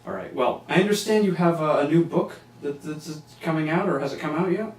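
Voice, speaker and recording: A man's voice: a little high, fairly quick, darkish tone, roomy sound, recorded from a distance, a little hiss or hum, rough recording. A man hosting an interview, asking loose, friendly questions with frequent restarts. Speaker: interview host.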